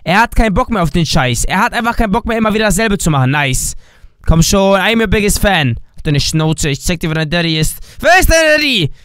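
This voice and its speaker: A young man with a cold and a dry voice, giving energetic, jokey let's-play commentary as a gaming YouTuber. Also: high-pitched, clean tone, no room sound. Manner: excitable, jokey, switches between shouts and drawn-out slow words.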